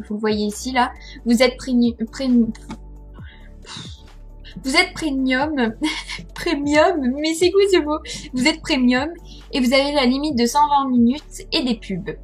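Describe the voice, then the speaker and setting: Young French-accented woman vlogger, hesitant and self-mocking, breathy voice, headset mic. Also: high-pitched, steady tone, measured pace, soft background music. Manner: chatty, hesitant, many fillers and self-corrections; laughs at herself. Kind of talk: casual screen-recording tutorial.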